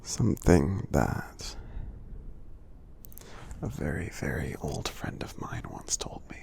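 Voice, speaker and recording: Guy doing a friendly giant for asmr, super gravelly and deep, gentle and supportive, soft whispery. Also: sing-song, heavily acted. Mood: soothing, supportive. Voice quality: husky, breathy, gravelly low voice. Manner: slow, gentle, reassuring, pausing often. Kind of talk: ASMR roleplay, soft half-whispered affirmations.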